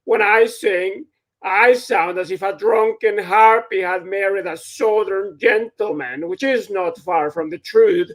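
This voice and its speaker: A man's voice: high-pitched, unhurried, a bit bright, low-quality recording. A young man with a strong Mexican accent reading from his novel over a video call at home, after a casual, self-deprecating introduction. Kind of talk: reading fiction aloud. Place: home room with bookshelves. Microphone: video call webcam.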